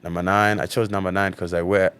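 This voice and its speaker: Deep-voiced young man, flat delivery. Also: fast, clear, resonant tone. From South Sudan. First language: Dinka. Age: young adult. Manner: relaxed, many "like" fillers. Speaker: college basketball player, guest. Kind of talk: casual interview answers.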